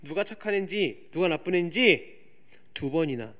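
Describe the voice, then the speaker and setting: A young man preaching a youth sermon in a church, chatty and explanatory, dropping to quiet asides and rising to loud emphatic points. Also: on the high side, expressive, normal speed. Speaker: youth pastor. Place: church sanctuary.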